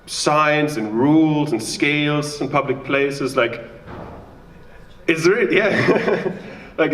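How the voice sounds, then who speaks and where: German guy doing a standup set, chatty and self-mocking, picks on the crowd, sounds a bit far off and roomy. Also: on the high side. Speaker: stand-up comedian. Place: small live venue with audience.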